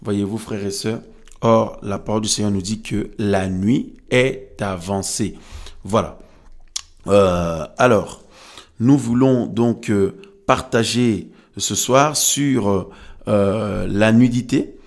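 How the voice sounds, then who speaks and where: A man preaching a sermon, teaching from scripture in a halting way and repeating phrases for emphasis. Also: lowish voice. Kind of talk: French-language evangelical sermon, teaching from Bible verses. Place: room with some resonance.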